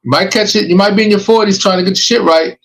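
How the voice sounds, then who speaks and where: A man's voice: high voice, fast talker, a bit bright. A man hosting a podcast, giving emphatic, streetwise warnings and advice in casual chat. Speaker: podcast host.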